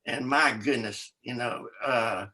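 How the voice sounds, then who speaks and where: Older man, bright voice, rambling storyteller, casual interview guest. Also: mid-range voice, takes it slowly. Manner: rambling, animated storyteller with laughs and quoted voices.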